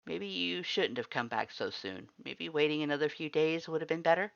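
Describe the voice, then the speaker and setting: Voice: mid-range voice, normal speed, vocal fry, fairly bright tone. An amateur narrator reading scripted fan fiction in the second person, telling the scene as a story. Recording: roomy echo, slightly dull sound.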